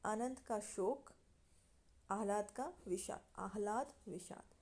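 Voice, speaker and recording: A woman's voice: mid-range voice, takes it slowly, darkish tone. A woman teacher reading out pairs of opposite words for an exam-prep lesson, adding short explanations. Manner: reads word pairs in a list, with short explanations.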